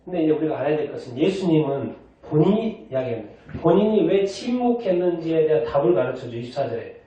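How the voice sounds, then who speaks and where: A man's voice: a little high, sing-song, quick pace, dark tone. A male pastor preaching a sermon, asking the congregation questions and then answering them himself. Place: church sanctuary. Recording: distant, echoey, dull church recording.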